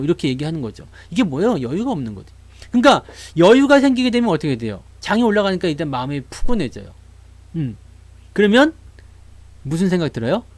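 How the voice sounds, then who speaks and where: Male stream host, casual market talk, high lively pitch, dry room. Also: no room sound. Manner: animated, acts out investors' voices. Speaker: stock market YouTuber.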